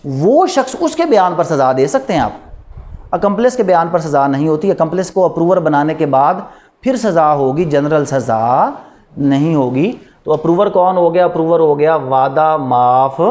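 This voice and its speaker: A man's voice: high-pitched, a little mellow. A man with a Pakistani accent giving a law lecture in a didactic way, posing rhetorical questions and answering them himself.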